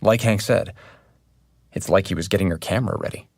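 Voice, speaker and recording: An actor playing an earnest investigative journalist, speaking in a measured, conversational true-crime podcast style. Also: male voice, deep voice, very noisy. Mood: sober, reflective. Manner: measured, reflective, sober.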